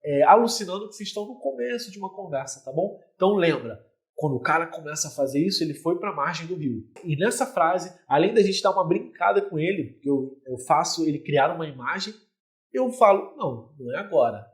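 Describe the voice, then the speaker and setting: A man's voice: a little high, expressive, a little fast. Brazilian man coaching viewers directly. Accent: Brazilian Portuguese. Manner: talks straight to the viewer, explaining with everyday images. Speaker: relationship mentor. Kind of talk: direct-to-camera coaching talk.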